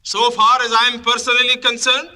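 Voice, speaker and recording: A man delivers formal parliamentary oratory in a measured, emphatic manner, broken into short phrases. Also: very high-pitched, completely flat delivery, bright, forceful tone, smooth.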